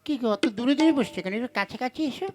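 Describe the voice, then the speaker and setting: A woman playing a pouting, sly young wife in a puppet-show comedy, coaxing and quick to scold. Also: high voice, expressive. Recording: loud music under the dialogue.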